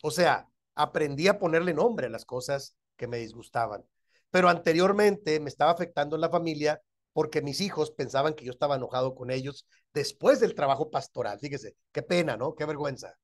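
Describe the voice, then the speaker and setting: A middle-aged Mexican-accented pastor teaching a church class, his voice sitting a little high for a man. He keeps checking in with his listeners and laughs softly between points. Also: a little fast.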